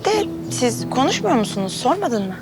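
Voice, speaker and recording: An actress playing an earnest, excitable young woman, a little sister who loves to draw. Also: high voice, moderate pace, background noise. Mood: chatty. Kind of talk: TV drama acting. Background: music.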